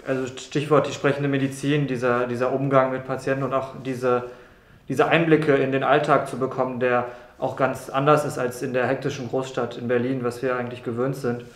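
A young adult medical student from Brussels, Belgium, answers interview questions earnestly in a room in a doctor's practice, often repeating words. His medium-pitched voice is a little fast with little pitch movement, and the sound is reverberant.

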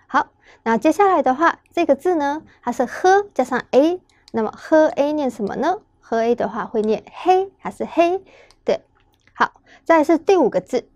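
A woman with a Taiwanese Mandarin accent gives a patient, step-by-step pronunciation lesson. She poses questions and answers them herself. Her voice sits fairly high, and it is recorded close and dry with no room sound. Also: a little mellow, dry recording. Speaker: Korean language teacher.

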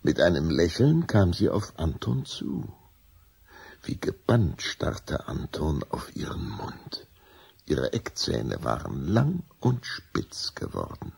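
A man narrating a children's vampire audio drama as a deliberate, suspenseful storyteller. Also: very deep voice, huge pitch swings, gravelly, darkish tone, slightly rough, exaggerated voice.

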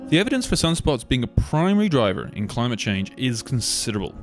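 Man narrating a documentary, measured and argumentative, mid-pitched, faint music behind. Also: sing-song. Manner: measured, argumentative delivery with rhetorical questions. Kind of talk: scripted narration.

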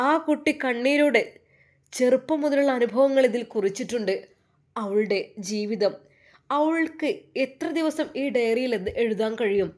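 A devout older Arab woman from a spoken storybook, kind and motherly, as a woman reader puts her on. She pleads in prayer and speaks softly to comfort others. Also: fairly high pitch, close to an everyday voice.

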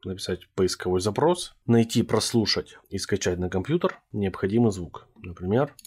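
A man narrating a scripted software tutorial as presenter, with a slightly husky voice. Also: deep voice, expressive, normal speed.

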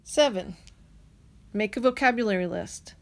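A woman teacher reads a children's picture book aloud at an unhurried pace. Her pitch sits in the middle, and her delivery is clear and patient. The rhymes come out in a gentle sing-song.

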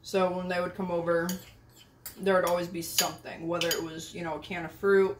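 A woman's voice: lowish voice, level tone, a little fast, reverberant, noisy background. A young woman, the host's daughter, talking candidly and matter-of-factly as a guest in a casual interview.

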